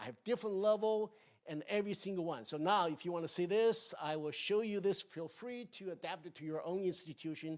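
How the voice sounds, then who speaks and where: Lively intonation carries the words along at a fairly quick pace. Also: man. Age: 60s. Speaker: university educator, conference speaker. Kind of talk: conference presentation. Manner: halting, many repetitions and fillers.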